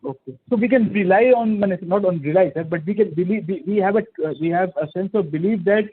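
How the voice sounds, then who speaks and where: A man with an Indian accent asks a roundabout, deferential question as a caller on an investor call. His voice is fairly high and he stammers haltingly over a thin, narrow phone line.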